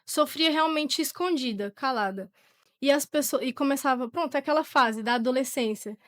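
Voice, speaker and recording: A teenage woman with a Brazilian accent shares her personal testimony in conversation. Her voice sits fairly high, and she talks informally, often restarting her phrases. The recording is close and dry. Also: normal speed, a bit bright, no echo. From Portugal, born to a Brazilian family. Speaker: podcast guest, young church singer.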